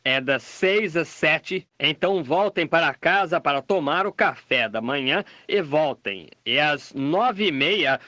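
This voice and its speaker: A man reading a dubbed sermon and prayer in a plain, measured preaching delivery with small restarts. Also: on the high side, a bit bright, no echo. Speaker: voice-over dubbing a preacher.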